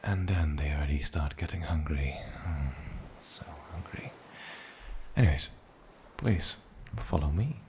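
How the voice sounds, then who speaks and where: A man playing an eccentric, lonely, ancient island demon in a soft-spoken fantasy ASMR roleplay, with a gravelly low voice and musing, polite pauses. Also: slight background noise. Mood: ominous.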